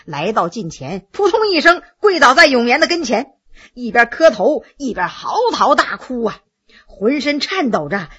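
A woman telling a traditional tale with animated, rhythmic phrasing. Her voice is high and bright and swings widely as she builds the drama. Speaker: storyteller. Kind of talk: traditional oral storytelling.

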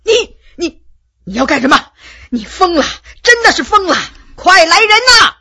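A woman's voice: high-pitched, huge pitch swings, a little slow, pushed and bright, husky, full character voice. A woman storyteller voicing an aging emperor who stammers in alarm and sneers coldly. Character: aging emperor, frightened then coldly furious.

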